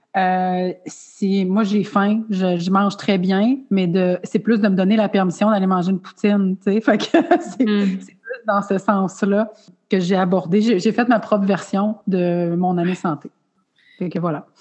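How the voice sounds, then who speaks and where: A woman speaks very slowly at a medium pitch. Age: 40s. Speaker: astrologer. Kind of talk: casual interview chat. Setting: remote recording. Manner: animated.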